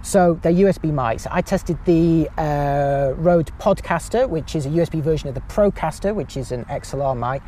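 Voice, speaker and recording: Man, high tenor voice, chatty podcast guest, self-mocking, light street noise behind. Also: warm tone. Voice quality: high-pitched voice. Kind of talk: casual chat.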